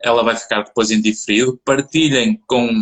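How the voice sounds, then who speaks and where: A man's voice with a European Portuguese accent. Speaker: psychologist and live-show host. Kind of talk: live-stream interview wrap-up. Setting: Instagram live video call.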